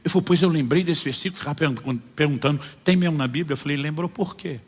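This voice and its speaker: A man's voice: fairly high pitch, rapid-fire. A man preaching as a pastor, telling stories and voicing the people in them. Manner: animated storytelling, voicing people in his stories. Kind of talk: sermon with acted-out anecdotes. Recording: long hall reverb.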